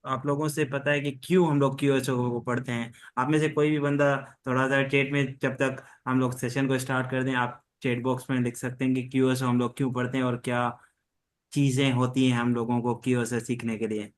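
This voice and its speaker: A man with a South Asian accent hosting an online study session, with formal, halting phrasing when in English. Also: medium pitch, little pitch movement. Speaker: host and moderator of an online law study session. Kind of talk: informal online class moderation, switching between Hindi-Urdu and English. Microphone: online group call.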